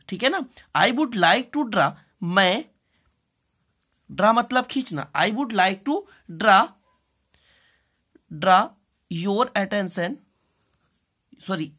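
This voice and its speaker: Slow-paced Indian woman teaching English. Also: medium pitch, fairly bright tone. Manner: deliberate, repeats phrases and checks in often. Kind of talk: bilingual classroom lesson, translating and spelling out words.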